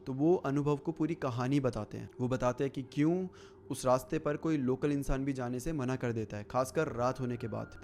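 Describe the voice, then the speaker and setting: A man hosting a show, narrating a scary true story in a relaxed, conversational way. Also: medium pitch, a little hiss or hum. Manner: conversational, relaxed retelling with fillers. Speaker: horror story narrator and host. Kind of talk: casual storytelling.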